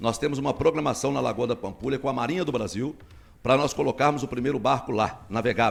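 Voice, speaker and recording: A man speaks in an animated tone at a medium pitch. His pace is very fast. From Brazil, Belo Horizonte (Minas Gerais). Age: 50s. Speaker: mayor. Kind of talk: radio interview. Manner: animated, emphatic.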